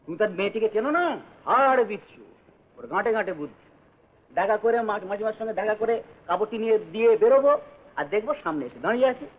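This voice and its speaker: A man's voice: sits high, lively intonation, fairly quick. A witty, sulky young man. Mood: teasing. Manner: grumbling mutters, playful retorts. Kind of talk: 1950s film acting. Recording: tinny old film soundtrack with hiss.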